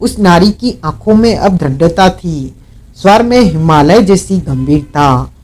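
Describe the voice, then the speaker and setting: Man, audiobook narrator, dramatic novel reading, measured, high voice, slow pace. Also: expressive, darkish tone, poor audio.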